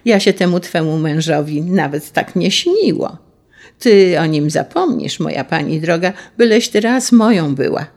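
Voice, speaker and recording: A woman's voice: fairly low pitch, animated, measured pace, a little mellow. A woman voicing a sweet-voiced, menacing male tsarist general who speaks with a drawling, sing-song delivery.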